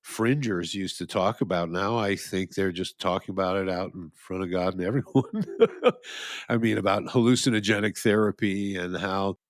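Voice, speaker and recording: A man's voice: low voice, moderate pace, no room sound, studio quality. A man co-hosting a podcast in casual philosophical chat, rambling with frequent restarts and chuckles. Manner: rambling, restarts often, laughs at own jokes. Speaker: podcast co-host.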